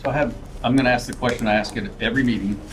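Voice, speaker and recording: A man's voice: medium pitch, fairly even intonation, racing, noisy background. A man chairing a public meeting, folksy in small talk and pointed when he questions. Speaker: committee chair. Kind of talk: public meeting, leading agenda.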